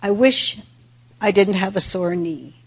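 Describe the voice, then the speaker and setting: A woman delivers a reflective Buddhist talk at a very slow pace. Her voice is raspy and creaky, and she sets out each phrase deliberately. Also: mid-range voice. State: raspy voice today with throat clearing. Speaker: Buddhist teacher giving a dharma talk. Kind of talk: sermon, reflective religious talk.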